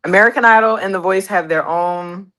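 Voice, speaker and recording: A woman's voice: medium pitch, brisk, sharp tone, low-quality recording. A woman singer and pianist, a guest in an interview, talking candidly and telling stories with light laughter. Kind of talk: casual interview chat.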